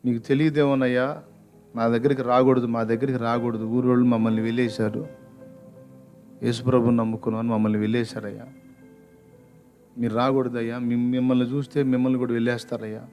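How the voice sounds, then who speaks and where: A man's voice: mid-range voice, little pitch movement, fast talker, pauses often, a little mellow, faint music behind, lightly acted. A man voicing a grieving village mother who pleads through tears while retelling a story in a sermon. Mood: pleading grief. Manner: pleading, wailing.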